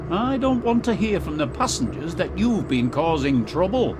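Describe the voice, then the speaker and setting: A man's voice: fairly high pitch, very animated, normal speed, background noise. A man voicing a kindly, authoritative railway controller who speaks formally and reassuringly in a storybook train game. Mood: reassuring, firm.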